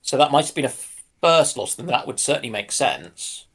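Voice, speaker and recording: A man's voice: medium pitch, sing-song, normal speed, fairly bright tone. A man chatting casually as a panelist on a livestream. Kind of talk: casual chat.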